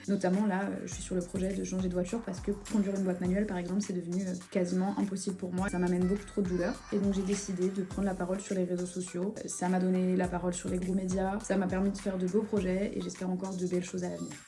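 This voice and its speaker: Over background music and audible room echo, a woman of medium pitch speaks at a very fast pace with hardly any pauses in a monotone, flat delivery. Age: 20s. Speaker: cancer survivor and social media creator. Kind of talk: personal testimony.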